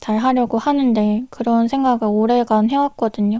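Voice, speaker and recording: A woman's fairly high, dark and mellow voice in a flat monotone, on a very clean recording with a silent background. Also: dry, close sound with no echo. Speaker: tarot reader. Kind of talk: casual chat. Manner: youthful, childlike way of speaking.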